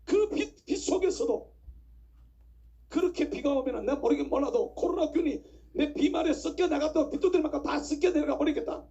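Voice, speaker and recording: A man's voice: very high-pitched, fairly quick, warm tone. A male pastor preaching an impassioned, emphatic sermon from the pulpit, full of rhetorical questions. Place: church pulpit. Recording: dull lo-fi recording.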